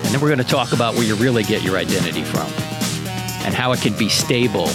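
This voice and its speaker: A man's voice: lowish voice, fast talker, over loud music. A man with an American accent hosting a Christian radio talk show, addressing listeners directly in an emphatic, preacherly monologue with rhetorical questions.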